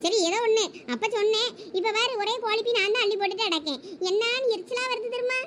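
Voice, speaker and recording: A woman's voice: very high-pitched, fast talker, heavy background noise. A woman voicing a fed-up young older sister in a cartoon, scolding bluntly in Thoothukudi Tamil village slang. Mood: irritated. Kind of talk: cartoon voice acting.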